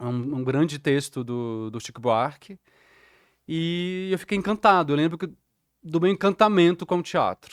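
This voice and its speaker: A plain, everyday voice at a fairly slow pace, with lively intonation and big swings in loudness, dry and close with no echo on a very clean recording against a silent background. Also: man, fairly high pitch for a man. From Brazil, Bahia (Salvador). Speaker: actor and visual artist. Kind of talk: interview conversation.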